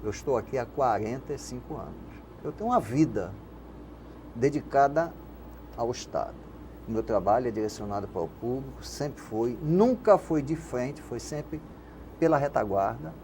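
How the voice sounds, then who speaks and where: An older man from Rio de Janeiro, Brazil, speaks Carioca Brazilian Portuguese in a mellow, medium-pitched voice with lively intonation at a normal speed. He's a guest on a casual interview, a radio station manager and poet who rambles reflectively, often tagging "né?". Faint background noise sits behind him.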